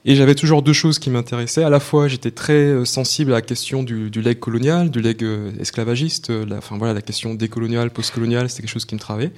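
A man's voice: mid-range voice, fairly even intonation, fast talker, hardly any pauses, darkish tone. A young adult man from Martinique, an author presenting his research at a public book talk, hesitating often with fillers and repeated words.

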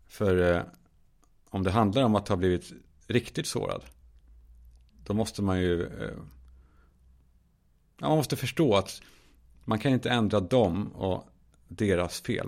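A man's voice: low-pitched, vocal fry. A man hosting his own podcast, talking in a candid, musing solo monologue, swearing casually with lots of fillers and restarts. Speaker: podcast host.

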